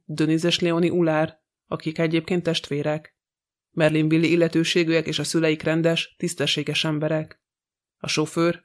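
A man's voice: on the high side, lightly acted. A man reading an audiobook, voicing a male police commissioner giving a plain, matter-of-fact report.

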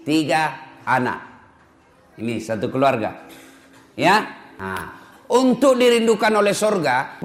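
A man preaching a sermon, lively, acting out everyday scenes and dropping to a hush for prayers. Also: on the high side. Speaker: Islamic preacher. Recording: roomy hall reverb with faint noise.

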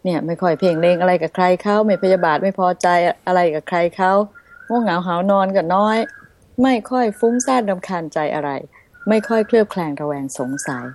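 A woman hosting a radio talk show, speaking politely and softly with many courteous particles. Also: fairly low pitch, a little fast, slight background noise. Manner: polite, soft-spoken, frequent polite particles. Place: radio studio.

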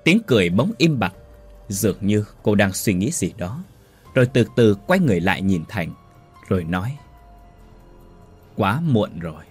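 Husky man narrating a ghost story. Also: lowish voice, moderate pace, faint music behind. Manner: animated, voices several characters.

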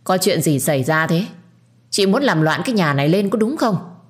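A woman's voice: lowish voice, expressive, normal speed, natural voice. A woman voicing a stern older matriarch who scolds and commands her household in an audio story.

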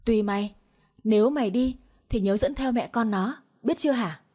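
A woman's voice: fairly high pitch, moderate pace, warm tone, close to an everyday voice. A woman voicing a cruel older mother-in-law who scolds with harsh contempt. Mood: furious.

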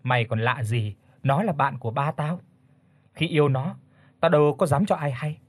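A man voicing a gentle, sad teenage schoolgirl in a story reading, soft and hesitant, with a husky voice. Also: a little high, moderate pace, no room sound, close to an everyday voice. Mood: confiding.

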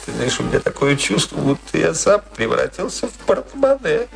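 An actor in a radio play playing an older, embittered husband who grumbles and philosophizes in a brooding, theatrical way. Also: male voice, on the high side, big pitch swings, normal speed, creaky, over music, full character voice. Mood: sardonic grumbling.

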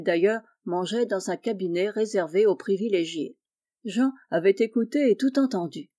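A woman reads a classic novel aloud with calm, measured narration. Her voice is mellow and warm, at a medium pitch, which gives the storybook reading a soft and unhurried tone throughout. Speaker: audiobook reader.

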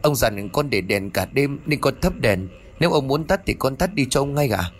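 A man voicing a rough but deferential young male servant in a spoken ghost story. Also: medium pitch, lively intonation, moderate pace, slight background noise, voice pushed up, lightly acted. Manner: deferential, coarse when angry.

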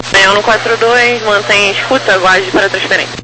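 Brazilian man as tower controller, high voice, procedural instructions through a noisy, humming radio. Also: steady tone, fast talker. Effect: aviation radio. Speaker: air traffic controller.

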